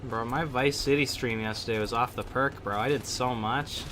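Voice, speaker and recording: A man hosting a casual gaming livestream, slangy and halting, joking at his own expense with game music behind him. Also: mid-range voice, fairly even intonation, background noise. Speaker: livestream host. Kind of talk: casual gaming stream chat.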